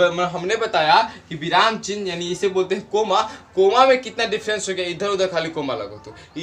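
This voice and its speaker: High-voiced man teaching a grammar lesson. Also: a bit bright. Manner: explains slowly with repeated example phrases. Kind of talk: classroom-style grammar lesson. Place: home in a village, wedding noise nearby.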